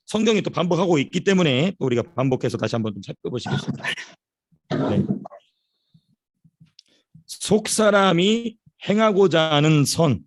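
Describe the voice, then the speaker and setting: A man preaching a sermon as a pastor, telling stories in an animated way and repeating phrases for emphasis. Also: mid-range voice. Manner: storytelling, animated. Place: church.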